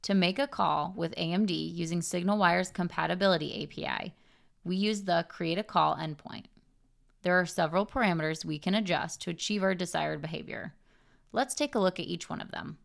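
A young woman presenting a tutorial, reading scripted technical narration in a measured, instructional way. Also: on the low side, creaky.

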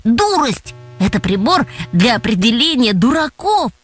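A woman's voice: fairly high pitch, sing-song, unhurried, breathy edge, soft background music, heavily acted. A woman voicing a cheeky schoolboy in a children's audio tale, sarcastic and mocking. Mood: teasing. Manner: teasing and sarcastic. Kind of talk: audiobook character voice.

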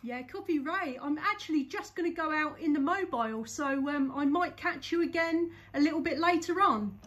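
A woman's voice: high-pitched, moderate pace, distant mic. A woman making CB radio calls and chatting casually from a vehicle. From England. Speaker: CB radio operator. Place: parked vehicle with radio static. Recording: muffled, very noisy CB radio session in a vehicle.

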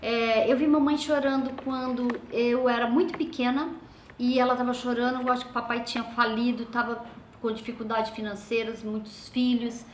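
An older woman with a Brazilian accent, casually telling family stories and often trailing off into soft, low asides. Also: level tone, normal speed, slight background noise. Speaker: vlogger. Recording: echoey room with faint ambience.

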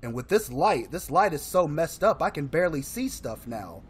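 A man in his thirties giving casual, expressive commentary as he plays and reads aloud from a video game. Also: a little high, normal speed, a little hiss or hum. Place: indoor room, solo gaming setup.

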